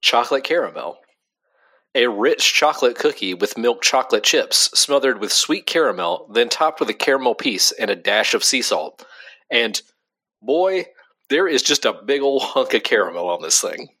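On a laid-back podcast, a young man co-hosting sounds bright and forceful, his mid-range voice animated at a normal speed. He's chatty, quick to laugh, and fills his talk with "like."

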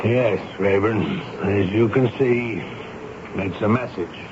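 A man playing a stern, weary army major in 1970s radio drama, speaking and narrating in a measured, grave way. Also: fairly low pitch. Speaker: actor and first-person narrator in radio drama. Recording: noisy, dull 1970s radio broadcast recording.

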